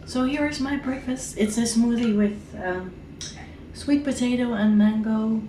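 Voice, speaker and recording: Dutch-accented woman, thirties, hoarse sore-throat rasp, easygoing chatty vlogger, roomy apartment echo with a faint hum. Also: a little high, measured pace. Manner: chatty, with many fillers and restarts. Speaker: vlogger, mom. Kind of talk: casual home vlog. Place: apartment kitchen.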